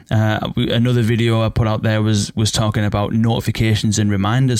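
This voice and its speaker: A man hosts his podcast alone, his voice croaky and rough from a cold, sitting a little low in pitch. He talks loosely and conversationally, with fillers and restarts as he thinks aloud. The sound is dry and close, with no room echo. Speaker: podcast host. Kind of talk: solo podcast monologue.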